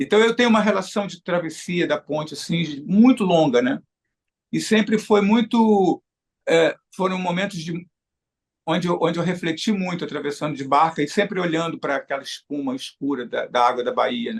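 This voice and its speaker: Lively intonation marks this man's speech. His pitch is high and his pace moderate. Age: 60s. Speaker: singer-songwriter. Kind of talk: interview. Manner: halting, with frequent repetitions.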